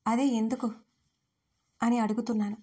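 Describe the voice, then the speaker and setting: A woman's voice: fairly high pitch, flat delivery, normal speed, dark tone, breathy edge. A woman voicing a tearful, desperate young woman in love, pleading in a crying voice in an audio story.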